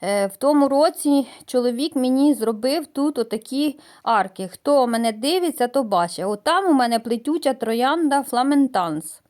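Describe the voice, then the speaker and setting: Middle-aged woman, slightly high voice, homely, chatty, hesitant, casual vlog, from southern Ukraine. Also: animated, moderate pace, few pauses, a little mellow. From Mykolaiv region, Ukraine. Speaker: gardening vlogger. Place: outdoors in a village garden. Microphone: voice-over added after filming.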